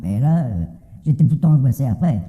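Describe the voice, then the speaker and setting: A medium-pitched older man talks a little fast and animatedly, offering an anonymous personal testimony in a casual, plain manner with frequent hesitant repetitions. The sound is very muffled and reverberant, like a hall.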